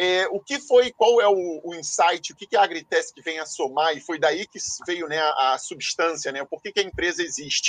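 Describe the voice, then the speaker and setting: With hardly any pauses, a man speaks at a moderate pace in a high pitch with lively intonation, the sound dry and close with no echo. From Brazil, Rio de Janeiro. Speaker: agritech business executive. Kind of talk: interview.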